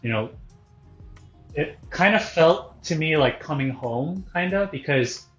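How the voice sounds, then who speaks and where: A man's voice: a little high, lively intonation, measured pace, a bit bright. Echoey, muffled man in casual conversation. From born in Korea, moved to the US young. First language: Korean. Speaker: podcast guest. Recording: roomy echo, dull lo-fi sound, faint music.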